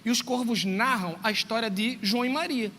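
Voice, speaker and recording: Man, preacher, sermon, storytelling, high pitch, long church reverb. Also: fairly quick, slight background noise. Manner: animated storytelling, acting out dialogue, addressing listeners directly. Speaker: pastor and schoolteacher. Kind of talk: sermon to a congregation. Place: church sanctuary.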